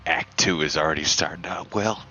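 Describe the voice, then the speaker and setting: A man's voice: very deep voice, brisk, bright, forceful tone. A man playing a tabletop roleplaying game, chatting casually and speaking for his character. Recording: dull lo-fi mic with music.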